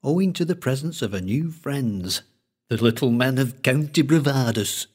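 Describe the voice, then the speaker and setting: A man voicing an older male collector with a thick Lancashire accent, speaking in a slow, droning storytelling way. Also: medium pitch, expressive, a little mellow, slightly rough, pitched above the performer's own voice.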